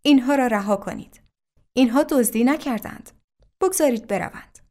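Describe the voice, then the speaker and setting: A woman's voice: high voice, big pitch swings. A woman reading a story voices a revered male imam who speaks firmly and commandingly. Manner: firm and commanding.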